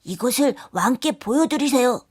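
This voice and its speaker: A woman's voice: on the high side, expressive, moderate pace, darkish tone, dry recording, studio quality. A woman voicing an earnest young prince in a children's story, with formal, declamatory delivery. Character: earnest young prince who becomes a resolute king.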